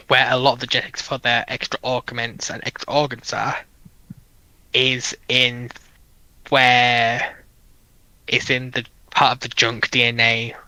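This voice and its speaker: A man chatting casually as he explains something, halting and amused. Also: medium pitch, bright, forceful tone, no room sound, rough recording.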